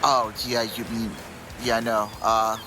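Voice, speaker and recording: A man's voice: fairly low pitch, level tone, unhurried, background noise, close to an everyday voice. A man playing a nervous, goofy young husband with super strength, stammering and slangy, in an audio drama. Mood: hesitant. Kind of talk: acted audio fiction dialogue.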